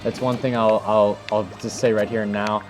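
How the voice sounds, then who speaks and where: Man, lowish pitch, casual gameplay commentary, informal, thinking aloud, clear background music. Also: level tone, moderate pace. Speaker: host of a video game technique demonstration.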